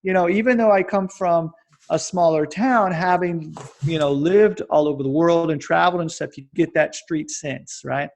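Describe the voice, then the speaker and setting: An American man in his forties talks as a guest, with a slightly high voice that has a gravelly fry running through it. He rambles and restarts his sentences often, telling stories in an animated way. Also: normal speed. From United States. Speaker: guest, fitness coach. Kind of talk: casual interview chat. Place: lives in Japan.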